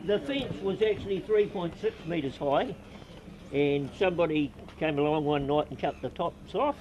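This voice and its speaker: A man's voice: fairly high pitch, expressive, moderate pace, darkish tone, slight background noise, rough recording. A man who is a local landlord, speaking off the cuff in a blunt, aggrieved manner, recorded outdoors. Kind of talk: spontaneous public remarks and interview answers. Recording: outdoor recording with crowd chatter. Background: crowd outdoors.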